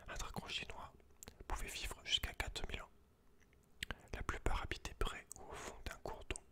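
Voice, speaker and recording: A man's voice: normal speed, sharp tone. Whispering man doing ASMR. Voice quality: breathy unvoiced whisper. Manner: informal, slangy, talks directly to one listener. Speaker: ASMR creator. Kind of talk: whispered ASMR, casual commentary and reading aloud from a book.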